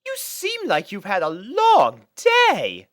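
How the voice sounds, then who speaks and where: High, airy, doting mare. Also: wildly swooping pitch, slow, a bit bright, heavily acted.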